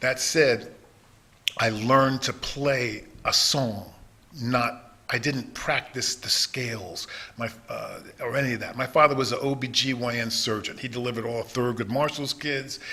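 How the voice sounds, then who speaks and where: Speaking in a New York accent, a man keeps a moderate pace, medium pitch and fairly even intonation. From New York (Yonkers). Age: 60s. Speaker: recording artist and bass player. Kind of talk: interview.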